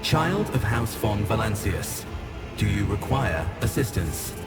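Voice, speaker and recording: An actor playing a mechanical male guardian sentinel unit with a booming metallic robot voice, giving clipped, formal machine reports. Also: sing-song, measured pace. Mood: cold, dutiful. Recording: voice over loud game music.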